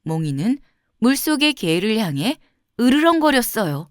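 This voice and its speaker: A woman tells a children's fairy tale as a scripted narration. Her delivery is gentle and very melodic, phrase by phrase, with a close, dry sound. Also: fairly high pitch, normal speed, dry recording. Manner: gentle, expressive storytelling with clear phrasing.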